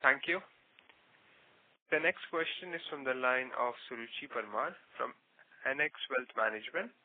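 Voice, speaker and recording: A man's voice: mid-range voice, normal speed, phone-quality sound. A man moderating a conference call as operator, politely introducing callers and giving instructions. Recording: dry, thin telephone conference line.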